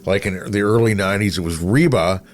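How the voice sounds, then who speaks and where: A middle-aged man chatting casually as a podcast host, telling anecdotes in a rambling, animated way. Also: lowish voice, a little fast. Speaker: podcast host, veteran radio broadcaster. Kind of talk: casual interview chat with anecdotes. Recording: clear background noise.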